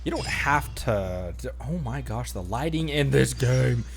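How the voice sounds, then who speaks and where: A man streaming a game with casual, joking commentary, often repeating himself haltingly. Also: mid-range voice, lively intonation, gravelly, a little hiss or hum.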